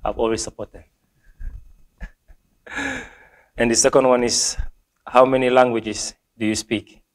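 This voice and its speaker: A young man from Gambia, a football player, reads out fan questions and answers them with many pauses, fillers and restarts. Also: medium pitch, sing-song, rough recording. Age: young adult. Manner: hesitant, many ums and restarts. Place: small plain indoor room.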